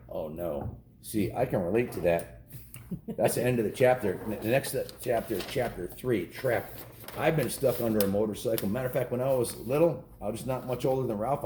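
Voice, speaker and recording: An American man in his fifties reads a story to kids in a low, very mellow voice. His delivery is folksy and informal, slipping into casual asides and correcting himself as he goes. The room adds noticeable echo. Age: 50s. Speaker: storyteller reading a children's book to kids. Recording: roomy echo with faint background noise.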